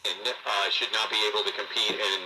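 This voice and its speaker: A man's voice: lowish voice, flat delivery, normal speed. A man talking conversationally as a talk radio host, heard through a radio speaker. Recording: very noisy radio speaker playback.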